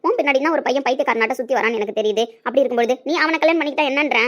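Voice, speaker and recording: A woman's voice: sits high, racing, natural voice. A woman as a desperate pleading mother. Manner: emotional, scolding, pleading. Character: desperate middle-aged mother, pleading and scolding. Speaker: mother in a family drama. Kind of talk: Tamil web-series acting.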